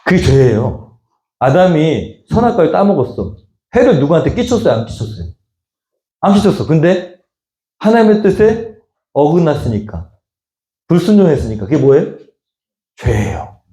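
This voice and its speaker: A male pastor preaches in a church hall, his mellow voice ringing off the walls. He keeps asking the congregation questions in a plain, chatty way, his pitch swinging up and down as he presses each point. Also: sing-song, normal speed, pauses often. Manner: fires rhetorical questions at the congregation in casual speech. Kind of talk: sermon. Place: church sanctuary.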